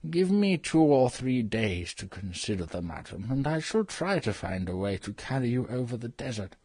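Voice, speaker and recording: A man's voice: medium pitch, very animated, moderate pace, darkish tone, breathy edge, dry recording. A man voicing a sheepish old male humbug wizard in a dramatized audiobook reading, apologetic and coaxing in manner.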